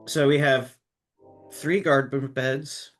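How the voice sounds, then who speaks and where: A man chatting casually as a player in a tabletop game, quick to joke. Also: medium pitch, steady tone, faint music behind.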